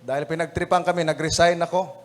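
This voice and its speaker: A man's voice: on the high side, fairly even intonation, fast talker. A man with a Filipino accent, an evangelist telling funny anecdotes in a lesson-review sermon, chatty and often laughing as he addresses the brethren. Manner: chatty, laughing, often says "mga kapatid".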